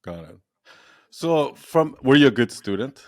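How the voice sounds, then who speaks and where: A man's voice: medium pitch, big pitch swings, a little slow, no echo. A man hosting a podcast, interviewing his guest in a casual, conversational way. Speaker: podcast host.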